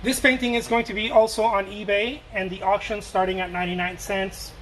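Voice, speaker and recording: A man's voice: high-pitched, little pitch movement, a little fast, a bit bright, a little hiss or hum, rough recording. A man from Mexico chatting casually while he paints live, rambling and joking and answering viewer questions as he goes.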